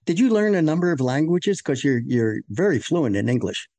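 Guy hosting an interview, warm tone, swingy pitch, dry close sound. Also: big pitch swings, dry recording. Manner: friendly, halting questions. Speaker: interview host. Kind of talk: interview, conversational.

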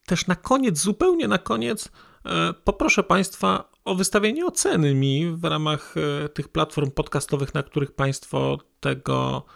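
Creaky, slightly high male podcast host. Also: unhurried, a bit bright. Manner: formal, polite address. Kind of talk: podcast announcement addressed to listeners.

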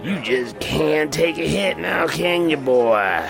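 An actor playing a gruff, dismissive sheriff in a western audio drama, with condescending, folksy put-downs. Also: male voice, on the high side, lively intonation, slow pace, heavily acted. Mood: sarcastic. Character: gruff, dismissive Old West sheriff, poker-playing and sarcastic. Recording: music behind the voice.

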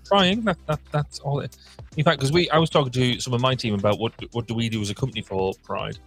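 A man's voice: mid-range voice, fast, fairly bright tone, soft background music. A man with a British accent co-hosting a live podcast, teasing and rambling in casual banter. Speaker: podcast co-host.

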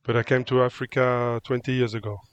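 Halting man with a French accent. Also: mid-range voice, little pitch movement, clear, resonant tone, no echo, lo-fi sound. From France. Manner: halting, searching for words. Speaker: photographer, guest. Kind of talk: interview answers.

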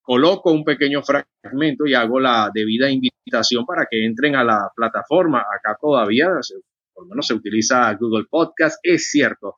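Bright-voiced man, dry sound. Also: medium pitch, normal speed, no echo. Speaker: podcaster, panel guest. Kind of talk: online panel discussion. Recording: dry lo-fi audio.

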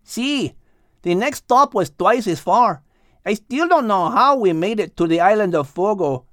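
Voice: medium pitch, animated, unhurried, fairly bright tone, no room sound, clean studio sound, voice pushed up. A man voicing an earnest, grateful little male hummingbird telling of his travels with wonder in a storybook tale. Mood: eager.

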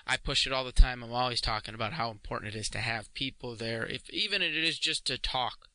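A man's voice: mid-range voice, fast, sharp tone, dry recording, poor audio. A man in a casual podcast discussion, giving his takeaways in an emphatic, agreeable way.

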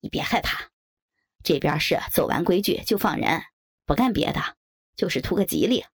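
A woman's voice: fairly low pitch, animated, normal speed, breathy edge, pitched below the performer's own voice. A woman voicing a sly, jovial best man who smirks and explains with mock reassurance. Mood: leering.

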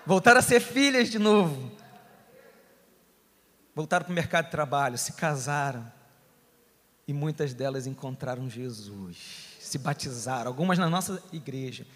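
A pastor telling a story to his congregation, animated, going from loud bursts to hushed tones. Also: fairly high pitch, normal speed, long pauses. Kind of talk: sermon storytelling. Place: church. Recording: long hall reverb.

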